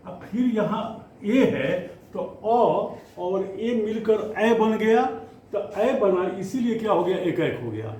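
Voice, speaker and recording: A man teaching Hindi grammar to students, explaining slowly and often stretching out words as he goes. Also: high voice, mellow, a little hiss or hum. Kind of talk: classroom lesson. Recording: echoey room, faint ambience.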